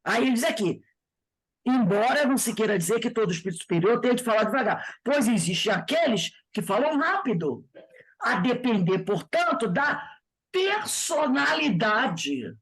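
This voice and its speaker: A woman teaching an informal spiritist study class, reading passages from a book and explaining them conversationally, often asking "né?" and slowing down to stress key words. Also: fairly high pitch, breathy edge. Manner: conversational, with frequent tag questions.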